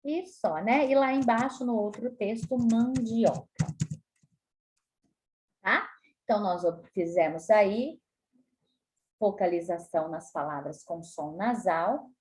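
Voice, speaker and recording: A woman with a Brazilian Portuguese accent teaching a spelling lesson to children, explaining patiently and stretching words out slowly. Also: medium pitch, darkish tone. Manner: slow, stretches words out syllable by syllable; frequent tag questions, patient explaining tone. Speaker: primary school teacher.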